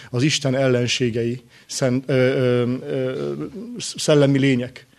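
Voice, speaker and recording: A man preaching a sermon in short, earnest phrases with rhetorical questions and pauses. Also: on the high side.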